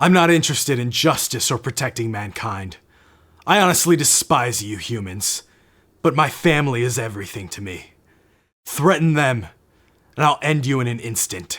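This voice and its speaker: A man does a put-on character voice at medium pitch and a moderate pace, with lively intonation, big swings in loudness, and long, frequent pauses. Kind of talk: theatrical. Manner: menacing, threatening.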